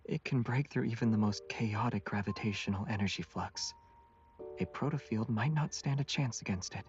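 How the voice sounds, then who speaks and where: A man voicing a hushed, restrained alien hero. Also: on the low side, normal speed, lightly acted. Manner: soft, half-whispered, restrained. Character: calm young male alien hero, quiet. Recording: distant, muffled game audio with music.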